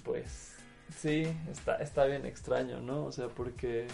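A man co-hosting a podcast who reflects on a film in a relaxed, conversational way. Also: mid-range voice, unhurried, creaky, soft background music. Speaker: podcast co-host. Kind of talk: casual film discussion.

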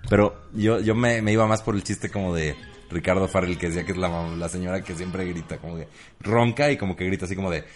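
Mexican male podcast co-host, lowish voice, jokey, laughs a lot. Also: fast. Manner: joking, laughs often, slips into impressions. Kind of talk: casual comedy chat.

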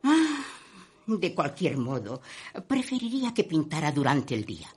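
A sympathetic, gossipy woman shopkeeper for a radio play. Her voice is very husky and deep for a woman. She muses theatrically, with animated rises and falls. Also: a little slow, heavily acted. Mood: mildly complaining. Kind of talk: Spanish radio play acting.

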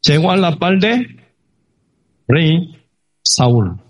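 Guy preaching a bible story, husky voice, keeps tossing in little questions, kinda higher pitched. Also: sing-song, extremely slow. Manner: peppers his talk with tag questions. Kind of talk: sermon retelling a Bible story.

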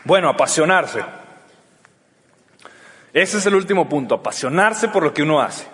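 A Mexican man with a high voice gives an energetic motivational talk on a stage. He speaks in casual slang and acts out short exchanges between people. His voice rings with the long reverb of a large event hall. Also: normal speed, some chatter behind, a little hiss or hum. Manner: energetic, acts out dialogues with slangy colloquial Spanish.

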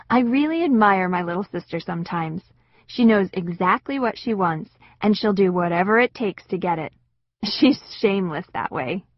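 A woman narrating an audiobook in the first person with an expressive, wistful storytelling manner. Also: on the low side, dry recording, muffled recording.

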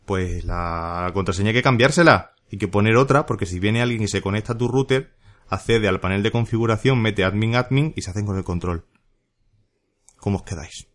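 A man's voice: lowish voice, fairly quick, a bit bright. A man hosting a casual solo podcast, chatty and jokey with playful asides. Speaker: podcast host.

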